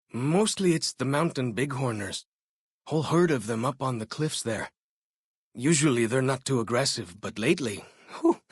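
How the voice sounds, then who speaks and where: A young tribal scout from a video game, with a medium-pitched, slightly husky voice. He is eager, curious and friendly, talking in simple, informal phrases. The recording is dry and close. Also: no echo. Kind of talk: video game character dialogue.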